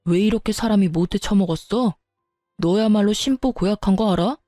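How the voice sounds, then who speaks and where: A woman's voice: mid-range voice, fairly quick, dark tone, no room sound, studio quality, faint music behind, close to an everyday voice. A woman voicing a defensive, argumentative husband in a story reading. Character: defensive young husband, evasive.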